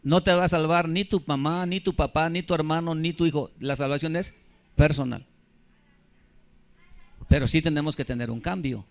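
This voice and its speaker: A man's voice: a little high, steady tone, normal speed, long pauses. A man, preaching a sermon as pastor with emphasis, keeps putting questions to the congregation. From Mexico. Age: 50s.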